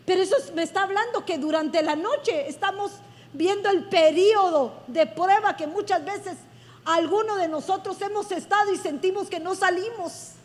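A woman's voice: very high-pitched, normal speed. A woman pastor giving an effusive, emphatic sermon. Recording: long hall reverb.

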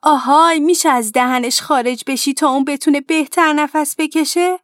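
A woman's voice: high-pitched, fairly even intonation, no room sound, studio quality, pitched above the performer's own voice. A woman voicing a small, eager fish who anxiously calls out for help, in a children's storybook tale. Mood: urgent worried. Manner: anxious, calling out loudly. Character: little friendly fish, eager helper.

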